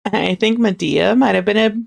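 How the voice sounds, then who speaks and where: A woman livestreamer with a creaky voice, narrating a story and dropping into casual, chatty asides. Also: mid-range voice, normal speed. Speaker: livestreamer reading a story aloud.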